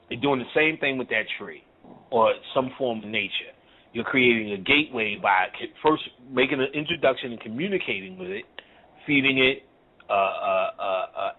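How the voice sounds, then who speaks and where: Man, spiritual teacher, blunt and profane, street slang, phone-quality audio. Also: medium pitch. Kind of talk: casual profane lecture.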